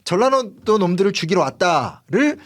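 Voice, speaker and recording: A man from Seoul, a history commentator explaining politics in a lecturing way, full of fillers. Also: high voice. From Seoul, South Korea. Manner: fast, lively lecturing with frequent fillers.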